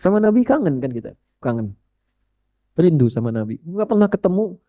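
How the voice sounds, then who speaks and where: A man preaching a sermon, telling a story with lively swings of pitch and asking the audience questions. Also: moderate pace, dry recording, dull audio.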